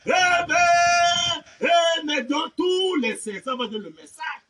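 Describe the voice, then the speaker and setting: A man preaching a fervent revivalist sermon, shouting and exhorting with repeated phrases, rhetorical questions and amens. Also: very high voice, slow, recorded from a distance.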